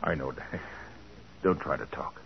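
An actor playing a calm, commanding male private detective in a brisk, authoritative 1940s radio drama style. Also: extremely low pitch, creaky. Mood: grave, gentle. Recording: noisy, muffled old radio broadcast.

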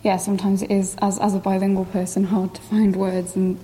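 A woman's voice: mid-range voice, little pitch movement, fairly quick, mellow, a little hiss or hum. A young Welsh woman, a Welsh speaker, chatting reflectively and sometimes searching for her words. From Wales. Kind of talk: casual chat.

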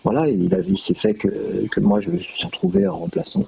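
Older man, former cyclist, gravelly husky voice, lively pitch, hesitant with many fillers, dull lo-fi sound. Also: quick pace. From France. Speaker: guest, former track cyclist. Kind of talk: casual conversation.

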